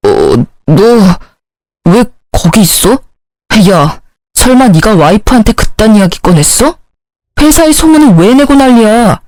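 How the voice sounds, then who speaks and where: A woman's voice: medium pitch, sing-song, unhurried, darkish tone, no room sound. A woman voicing a sly, self-excusing cheating husband who turns from pleading to blaming. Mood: scornful. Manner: pleading, then scornful and blaming.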